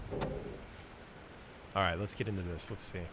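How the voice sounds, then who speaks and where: A man is heard over noticeable background noise. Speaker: gamer livestreamer. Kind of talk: casual livestream chat while gaming. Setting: livestream from home. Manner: casual, chatty, filler words.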